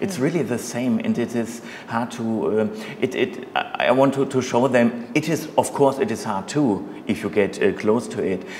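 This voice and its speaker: A man speaks with a German accent and lively intonation. Light background noise is present. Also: moderate pace. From Germany. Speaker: radio host; interviewee, guest. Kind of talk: interview. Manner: halting.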